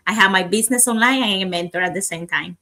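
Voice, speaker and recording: A woman from Cuba, co-hosting and announcing guests in a lively way. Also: medium pitch, quick pace. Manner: lively announcing, reads name lists. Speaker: co-host. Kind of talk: casual show chat.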